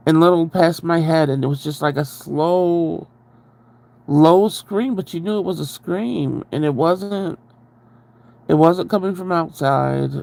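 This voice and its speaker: A man hosts a loose, chatty livestream, rambling and saying hello to viewers. His slightly high voice is stuffy and nasal, gravelly with fry, and a little mellow. Being very close to the mic, his breathing can be heard.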